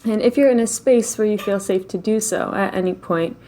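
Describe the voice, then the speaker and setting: A woman leading a slow guided meditation in a gentle, unhurried way, with long pauses between phrases. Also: medium pitch.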